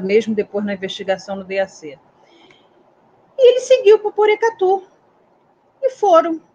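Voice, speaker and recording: A woman's voice: high-pitched, darkish tone. A Brazilian woman in her sixties with a Brazilian Portuguese accent, an aviation security specialist telling a story and asking her listeners questions. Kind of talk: storytelling in a talk. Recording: dull, slightly muffled audio.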